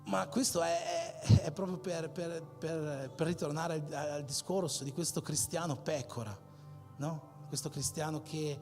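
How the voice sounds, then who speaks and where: A man preaching a sermon as pastor, driving points home with repeated emphatic phrases. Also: fairly high pitch. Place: church hall. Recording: long hall reverb with faint music.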